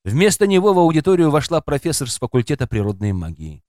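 A man's voice: fairly high pitch, sing-song, fast, darkish tone, no room sound, studio quality. A man reading an audiobook aloud as scripted first-person narration, expressively voicing a woman narrator's inner thoughts.

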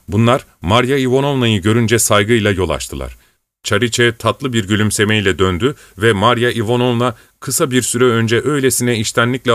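A man narrating an audiobook in a steady, even storytelling manner. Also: fairly low pitch, no room sound.

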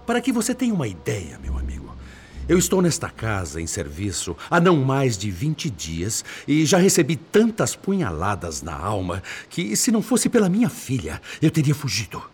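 A man's voice: medium pitch, wildly swooping pitch, normal speed, darkish tone, husky, soft background music. A Brazilian actor playing an indignant, wounded older father in a radio drama, speaking in an emphatic, theatrical, impassioned way.

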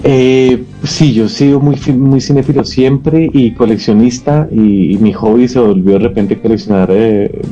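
A man's voice: mid-range voice, fairly even intonation, unhurried, hardly any pauses, mellow, muffled recording, soft background music. A man, an actor answering interview questions in a reflective, casual way with many hesitant fillers. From Colombia.

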